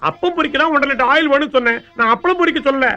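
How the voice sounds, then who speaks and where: A man's voice: very high voice, sharp tone, exaggerated voice. An actor playing a cheeky, lovestruck young man in a film comedy, rattling off excuses. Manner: fast, excuse-making, cheeky. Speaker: nephew and son. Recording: dull lo-fi film audio.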